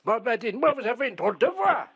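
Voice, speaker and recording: A man's voice: extremely high pitch, big pitch swings, fast talker, fairly bright tone, husky, exaggerated voice. A man voicing an old, hard-of-hearing woman on a prank phone call, plaintive and stubbornly repeating herself. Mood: obstinate. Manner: insistent, repetitive, wounded.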